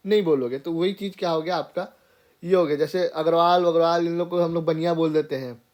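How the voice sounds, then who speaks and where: A man's voice: on the high side, fairly even intonation, fairly quick, a little mellow. A man teaching an informal grammar lesson, explaining step by step and often checking in with his students. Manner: explains step by step, keeps checking in with "theek hai". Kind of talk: informal classroom lecture.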